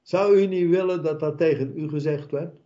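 A man preaching a sermon in a slow, emphatic way, repeating key words for weight. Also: on the high side, dark tone, dull audio.

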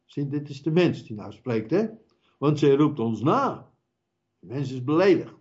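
A man preaches in a drawn-out, emphatic manner, leaning on repeated words. His voice sits a little high yet sounds mellow and dark. The recording is dull and lo-fi. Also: big pitch swings. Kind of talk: sermon.

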